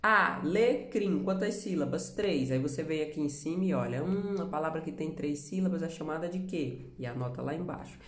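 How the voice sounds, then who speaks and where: A woman's voice: sits low, a little fast, hardly any pauses, warm tone, reverberant. A Brazilian woman teaching a remote lesson for children, patient, explaining step by step and asking the class questions. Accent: Brazilian Portuguese.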